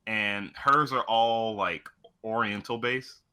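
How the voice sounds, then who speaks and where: A man's voice: lowish voice, steady tone, takes it slowly, pushed and bright, smooth. A man chatting casually as co-host of a video game show, swearing freely as he goes. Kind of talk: casual chat.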